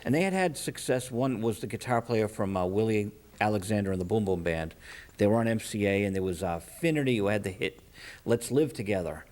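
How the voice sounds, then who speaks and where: A man's voice: on the low side, lively intonation, brisk, a little mellow. A man hosting an informal music interview, chatting in a rambling, enthusiastic fan-like way. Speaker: radio interview host.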